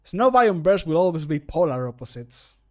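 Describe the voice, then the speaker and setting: A man's voice: on the high side, sing-song, normal speed. A man voicing a cocky, punning older adventurer for video game lines, with a jokey, lightly taunting delivery. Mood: dry, punning. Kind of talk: game voice line takes.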